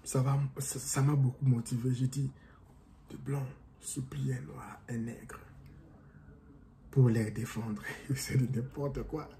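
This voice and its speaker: A young man with an accent, talking to camera in an animated, rambling motivational vlog from a small room at home. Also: mid-range voice, takes it slowly, a little hiss or hum. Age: young adult. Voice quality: non-native-sounding French accent, by his own account. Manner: animated, gesturing, rambling with restarts. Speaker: motivational vlogger. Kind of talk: casual motivational talk to camera.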